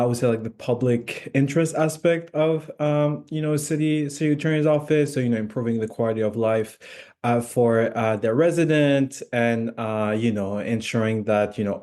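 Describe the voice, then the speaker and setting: Hesitant young man from France, mellow voice. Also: mid-range voice. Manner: hesitant, many fillers, searching for words. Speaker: guest, former student. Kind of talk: casual interview answers.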